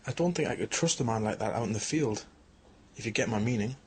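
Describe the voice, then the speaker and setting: An actor playing an earnest young English anthropologist turned Sasquatch investigator in a radio drama, speaking politely with an English accent. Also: male voice, fairly low pitch, lively intonation, quick pace, a little hiss or hum, close to an everyday voice. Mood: earnest, hesitant. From England. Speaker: Bigfoot researcher and investigator.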